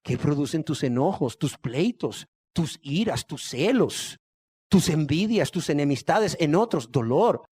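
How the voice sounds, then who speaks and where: Animated preaching man with lively pitch. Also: unhurried, husky, no room sound. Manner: emphatic, asks the congregation questions and answers them; repeats key words for emphasis. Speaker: pastor. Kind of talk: sermon.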